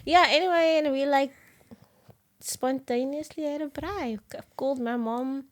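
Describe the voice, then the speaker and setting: South African woman, young, co-host; animated casual chat, slightly high voice, lots of laughing. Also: measured pace. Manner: animated, laughs often, drops to whispers. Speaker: podcast co-host.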